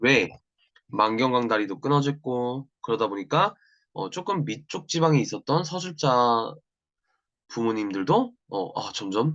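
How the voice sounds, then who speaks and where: Very wide pitch swings from a man with a medium pitch. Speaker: school literature teacher. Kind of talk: lecture. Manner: slightly slurred pronunciation.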